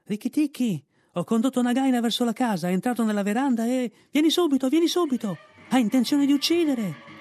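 A man voicing a frantic little female bird with a shrill, crying voice. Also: brisk, a little mellow, no echo, faint music behind. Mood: panicked.

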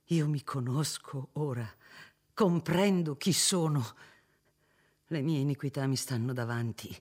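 Male narrator playing a remorseful ex-tyrant lord; halting, emotional storybook delivery. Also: mid-range voice, a little mellow, breathy edge. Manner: slow, halting, emotional exclamations. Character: repentant former tyrant lord, shaken and remorseful.

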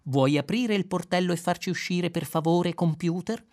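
A man voicing an impatient male space adventurer who talks in slow, clipped words through gritted teeth. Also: on the high side, a bit bright.

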